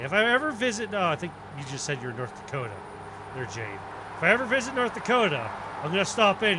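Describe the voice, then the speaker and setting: A man talks at a very fast pace in a high voice, his pitch swinging very widely, with noticeable background noise behind him. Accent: American. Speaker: gaming streamer. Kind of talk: casual live-stream chat while gaming. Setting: live stream, talking to chat.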